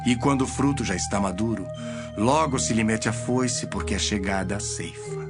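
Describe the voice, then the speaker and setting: A man playing Jesus as a solemn, measured teacher in a dramatized audio Bible. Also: on the low side, natural voice. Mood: solemn teaching. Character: Jesus, solemn teacher telling parables to followers. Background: music.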